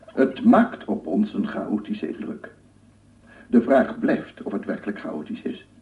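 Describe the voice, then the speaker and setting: A man's voice: fairly low pitch, sing-song, measured pace, distant mic, slight background noise. An actor playing an obsessive scientist in a radio drama, lecturing formally and rhetorically with fervent wonder, repeating his phrases. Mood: pondering, formal. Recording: muffled phone-like radio play recording, off-mic.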